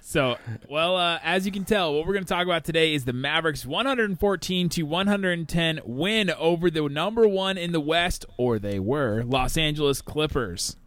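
A man's voice: on the high side, expressive, normal speed, few pauses, a bit bright, no room sound. A man hosting a sports podcast with casual, conversational banter. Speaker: podcast host.

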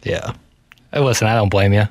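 Wry, monotone young-sounding male producer. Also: on the low side, brisk, dry recording, clean studio sound. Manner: self-described monotone, wry and modest. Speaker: radio producer. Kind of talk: casual sports radio banter.

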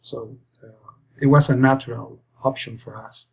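A man's voice: medium pitch, steady tone, moderate pace, gravelly, a little mellow, breathy edge, highs cut off. A young man from Spain, a PhD student, explaining his work earnestly as a podcast guest. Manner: earnest, explains with many fillers and restarts. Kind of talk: interview answers.

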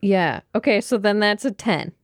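A woman playing a tabletop game, unsure and halting as she asks questions. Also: medium pitch, no echo, clean studio sound. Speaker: player. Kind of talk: casual tabletop game chat.

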